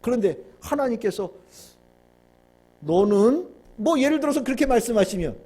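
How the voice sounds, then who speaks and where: A man, the pastor, preaching a Sunday sermon with animated storytelling and little acted-out scenes. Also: high-pitched, normal speed. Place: church sanctuary.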